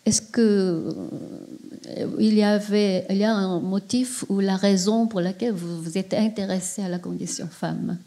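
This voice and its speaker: Slow, mellow-voiced woman interviewer. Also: mid-range voice, fairly even intonation. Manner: hesitant, searching for words. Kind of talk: interview questions.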